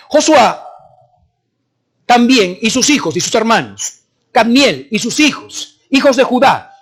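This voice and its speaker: A male pastor preaching and reading scripture aloud, stopping often to ask the congregation what the text says, his delivery swinging between raised and hushed. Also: very high voice. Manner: prompts the congregation with repeated questions.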